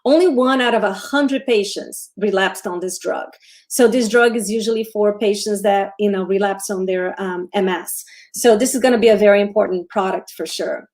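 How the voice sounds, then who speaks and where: A woman with a Brazilian accent talks stocks on a casual live show. She speaks at a middling pitch, chatty and loose, often restarting her sentences as she answers viewers' questions. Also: moderate pace, a little mellow. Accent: Brazilian Portuguese. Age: 40s. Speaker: show host, trader. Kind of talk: livestream stock commentary.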